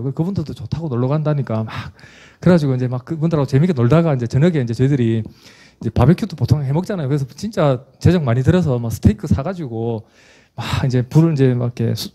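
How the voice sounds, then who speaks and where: A middle-aged man, a pastor preaching and telling a story in an animated way, with frequent restarts. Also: medium pitch. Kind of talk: sermon with storytelling.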